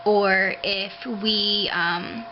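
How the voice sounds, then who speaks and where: A woman's voice: mid-range voice, flat delivery. Woman with hissy lisping s, noisy webcam. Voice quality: lisping, hissy drawn-out s sounds. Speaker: video blogger. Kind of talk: casual monologue to webcam. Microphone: webcam microphone. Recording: noisy dull webcam audio, hissing sibilance.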